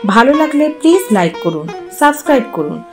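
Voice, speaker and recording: A woman's voice: high-pitched, sing-song, brisk, music in the background. A woman reading a literary short story aloud as a scripted audio narration.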